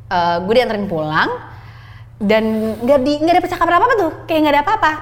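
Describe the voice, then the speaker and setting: Animated woman telling a story. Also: high-pitched, quick pace. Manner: animated, laughs often while telling. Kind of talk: casual storytelling chat. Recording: long reverb, faint noise.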